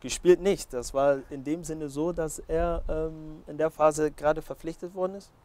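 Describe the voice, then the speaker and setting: With a slightly high, steady, mellow voice at a moderate pace, a man in his twenties from Hamburg answers interview questions casually as a footballer. The setting is an outdoor terrace by a training pitch. Recorded on a lapel mic, the clip has noticeable background noise.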